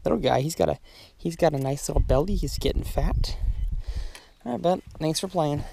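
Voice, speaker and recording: A man's voice: on the high side, moderate pace, vocal fry, noisy background. A young man filming a casual fishing vlog from a boat on a lake, upbeat and chatty. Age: young adult. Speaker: fishing vlogger. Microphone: chest-mounted camera.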